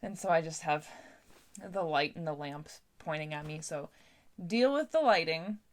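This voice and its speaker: A woman's voice: sits low, lively intonation, normal speed. A woman with a Canadian accent chatting casually to viewers as a book vlogger, informal and talkative. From Ontario, Canada. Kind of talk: casual chat to camera.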